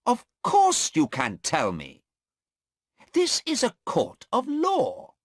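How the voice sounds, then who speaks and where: A man voicing a sharp defence lawyer questioning a witness. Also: medium pitch, wildly swooping pitch, drawn-out words, no room sound, clean studio sound, voice pushed up, exaggerated voice. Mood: pressing.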